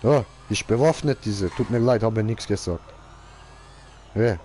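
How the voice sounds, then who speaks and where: A man playing a cocky slow-talking braggart. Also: fairly low pitch, warm tone, a little hiss or hum, natural voice. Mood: playful. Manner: broken grammar, keeps repeating a filler word. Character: boastful young man with broken grammar, cocky car lover. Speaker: gamer playing a character. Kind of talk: in-character gameplay commentary.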